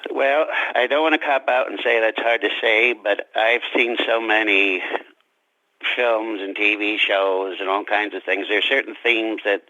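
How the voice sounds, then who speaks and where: A man speaking as an interviewed author, chatting reflectively and haltingly about his fiction, on a slightly dull radio-like recording. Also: fairly low pitch, fairly even intonation, bright, forceful tone, no room sound. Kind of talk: casual interview chat about his own story.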